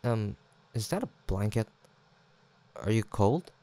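Low-voiced, easygoing young male roommate played by an actor. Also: animated, slow, warm tone. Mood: gentle, shyly caring. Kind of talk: intimate roleplay audio drama, casual chat.

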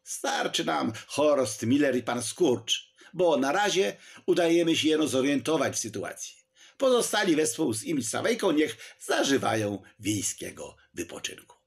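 A man's voice: on the high side, sing-song, unhurried, gravelly, pitched above the performer's own voice, heavily acted. A male narrator voicing a brooding, commanding nobleman in a historical audiobook, speaking firmly.

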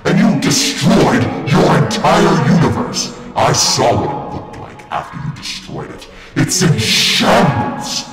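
A man's voice: deep voice, sing-song, slow, exaggerated voice. A man voicing an evil male ghost train engine in a fan audio drama, with theatrical villain threats. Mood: furious. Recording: echoey room with loud music.

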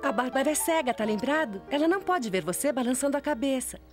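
A woman with a Brazilian accent playing a caring, gently instructive mother in a children's cartoon dub. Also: high voice, animated, fast. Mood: caring, reminding. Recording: music behind the voice.

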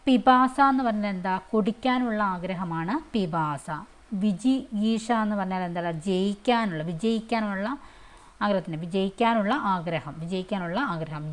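Woman explaining exam answers. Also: medium pitch. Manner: repeats each question and answer slowly; fillers and restarts, conversational. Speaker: teacher.

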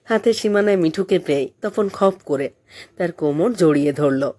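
Female audiobook storyteller, expressive scripted fiction narration with a soft-edged, mellow tone. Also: on the low side, moderate pace.

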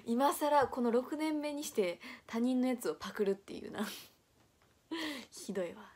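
A woman's voice: sits high, expressive, a little slow. A young woman from Nara with a Kansai accent, chatting casually on a livestream and reading viewer comments aloud with frequent laughter. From Nara, Japan. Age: young adult. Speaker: idol livestream host.

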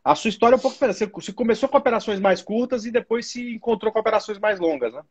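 A man's voice: sits high, animated, racing, slightly rough. A man in his forties hosting a casual interview, chatty and friendly, with frequent filler tags. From Brazil. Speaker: live stream host.

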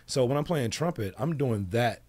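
A man's voice: mid-range voice, expressive, normal speed, darkish tone. A man in his forties, a podcast guest talking frankly and with animation in casual chat. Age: 40s.

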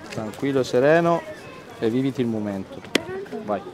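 A man in his thirties, a youth football coach, gives energetic, encouraging talks and calls out to young players on an outdoor pitch. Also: normal speed, heavy background noise. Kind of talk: pep talk to children. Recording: distant voice over loud pitch-side crowd.

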